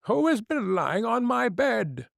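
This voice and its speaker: Fussy little dwarfs asking indignant questions one after another, as a man reading a storybook puts them on. The voices sit higher than his plain narration and move slowly and deliberately. The recording is dry and close. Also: very animated, vocal fry, dry recording, heavily acted. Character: seven little male dwarfs, fussy and puzzled.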